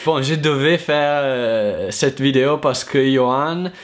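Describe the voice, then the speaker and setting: A man's voice: mid-range voice, slow pace. A man from Italy with an Italian accent, speaking French as a second language in a casual, hesitant monologue full of fillers and restarts. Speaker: language learner vlogger. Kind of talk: casual thank-you monologue.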